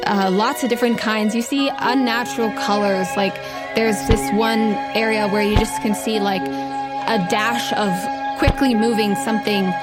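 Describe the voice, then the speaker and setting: A woman hosting and narrating a tabletop adventure game as its game master. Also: mid-range voice. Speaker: game master and podcast host. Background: music behind the voice.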